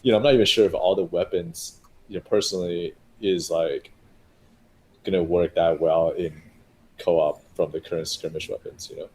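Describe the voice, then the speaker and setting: Deep-voiced man rambling casually. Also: fairly even intonation, moderate pace, darkish tone, slight background noise, rough recording. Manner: rambling, heavy on fillers and restarts. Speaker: game developer. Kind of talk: casual live-stream chat.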